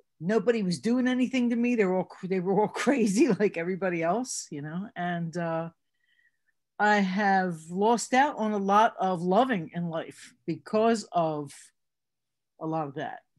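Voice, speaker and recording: Against a quiet background, a woman with an unremarkable speaking voice talks at a moderate pace and medium pitch, with ordinary pitch variation. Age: 60s. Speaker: support group member. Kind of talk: sharing at a meeting.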